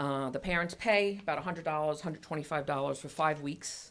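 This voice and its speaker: A woman speaks with a Brooklyn accent and ordinary pitch variation. The recording is very clean, with a silent background. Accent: New York (Brooklyn). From New York City, Queens. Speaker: swim program coordinator and CPR instructor. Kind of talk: public meeting presentation. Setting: village board meeting room. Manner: hesitant, many fillers.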